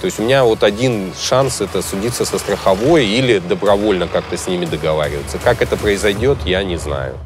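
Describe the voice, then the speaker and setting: A man in his thirties, interviewed outdoors about his damaged car, speaking haltingly with many fillers. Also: low voice, over music. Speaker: driver interviewed about a crash. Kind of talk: casual interview. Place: outdoors by a car repair yard.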